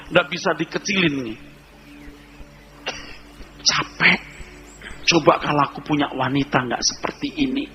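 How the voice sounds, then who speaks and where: A male pastor preaching a humorous sermon, telling lively stories and acting out little scenes. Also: mid-range voice, rough recording.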